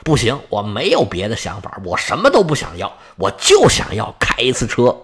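A man voicing a headstrong young son who whines and wheedles in a husky voice. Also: on the high side, sing-song, normal speed, a bit bright, exaggerated voice. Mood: whining. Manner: whining, wheedling.

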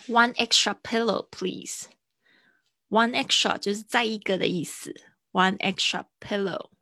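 A young adult woman with a slightly low voice teaches English in a casual livestream lesson. She repeats phrases slowly and clearly and explains patiently between them. The sound is dry and close. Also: no echo. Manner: casual asides with fillers and small laughs.

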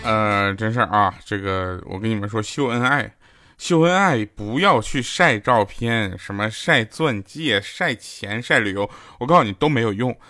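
A man's voice: lowish voice, normal speed, bright, forceful tone, dry recording, clean studio sound. A man hosting a comedy show, telling funny stories in a chatty, teasing way. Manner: chatty, teasing, acts out quoted lines. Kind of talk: comic storytelling monologue. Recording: clear background music under the voice.

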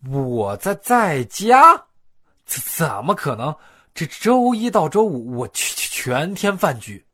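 A man's voice: fairly high pitch, sing-song, slow pace, bright, forceful tone, husky, heavily acted. A man doing a stammering, tactless young guy. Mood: evasive. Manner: stammering, repeats words.

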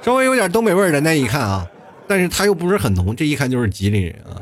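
A male talk show host reads listener messages and riffs on them. His pitch swings up and down as he talks, with a chatty, fast delivery, frequent tag questions and little chuckles. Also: big pitch swings, slight background noise.

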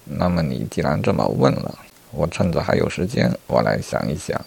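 A man's voice: a bass voice, very animated, normal speed, vocal fry, darkish tone, husky, exaggerated voice. A man voicing a pondering rabbit. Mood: earnest musing. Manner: earnest, reasoning, argumentative. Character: talkative philosophical male rabbit facing death. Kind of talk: storytelling.

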